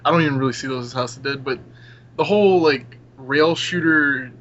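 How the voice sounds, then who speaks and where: A man's voice: mid-range voice, brisk, fairly bright tone. A young man in a casual gaming discussion, giving opinions in an emphatic, slangy, informal way. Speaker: podcast panelist. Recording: muffled audio with clear background noise.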